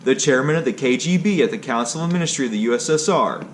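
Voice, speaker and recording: A man's voice: mid-range voice, expressive, fast talker, a little hiss or hum. A man narrating a history read aloud from a text, in a stilted way that is unsure on hard words.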